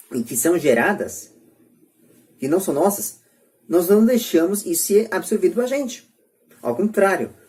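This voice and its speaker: A man's voice: a little high, a little mellow. A man with a São Paulo Brazilian accent giving his opinions as a podcast host in an emphatic, repetitive, rhetorical manner. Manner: emphatic, rhetorical, repeats phrases. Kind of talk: podcast debate, opinion monologue.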